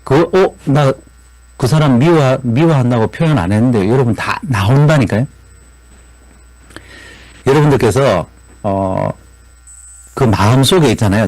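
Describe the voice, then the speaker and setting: Man, seminar lecturer, lively intonation, dry sound, rhetorical questions, tag questions. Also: medium pitch, no echo, rough recording. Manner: animated, frequent rhetorical questions, repeated tag "그죠?".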